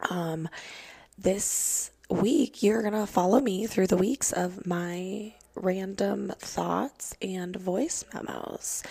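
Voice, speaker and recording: A raspy young woman hosting a casual solo podcast, chatty and swearing freely, recorded on a phone mic in her car. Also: medium pitch, darkish tone, no echo. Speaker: podcast host. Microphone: phone microphone.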